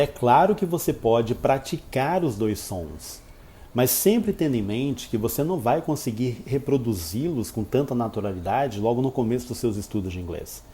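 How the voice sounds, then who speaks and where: A man's voice: mid-range voice, warm tone. A Brazilian man, an English teacher, giving a chatty, informal pronunciation lesson and exaggerating the example sounds.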